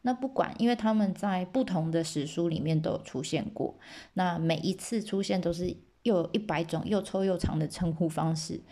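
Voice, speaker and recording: A woman's voice: fairly low pitch, moderate pace, warm tone. A woman casually retelling a myth, playful and chatty, with asides to listeners. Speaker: storyteller host.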